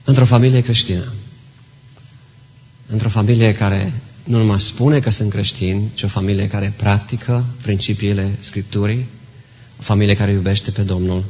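A man's voice: on the low side, fairly even intonation, darkish tone, slightly rough, lo-fi sound. A man preaching an earnest sermon to a congregation in a church, exhorting and telling stories. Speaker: pastor. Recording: long reverb in church hall.

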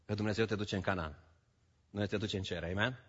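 A man from Romania preaching a sermon as pastor, swinging between loud declaiming and quiet asides, dropping in English phrases. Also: lowish voice, steady tone. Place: church hall. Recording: dull sound with long hall reverb.

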